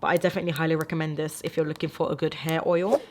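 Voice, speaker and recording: A young woman talks straight to the camera in a relaxed beauty-review vlog. Her voice sits a little low for a woman. She rambles in a friendly way, filling pauses with "um" and "like". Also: slight background noise. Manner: chatty, many fillers like "um" and "like". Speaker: beauty vlogger. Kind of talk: casual beauty product review.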